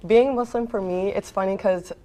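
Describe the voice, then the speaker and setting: A young woman from a Pakistani family chatting casually in a group discussion, with quick agreeing interjections. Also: medium pitch, fairly even intonation, dark tone. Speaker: panel participant.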